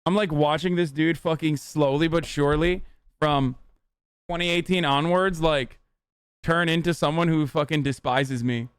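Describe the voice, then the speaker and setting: A man streamer riffs crudely and mockingly in a smooth, fairly high voice. The dry sound is close to the mic. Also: steady tone, normal speed, no room sound. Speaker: live streamer reacting to clips. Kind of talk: casual profane stream chat.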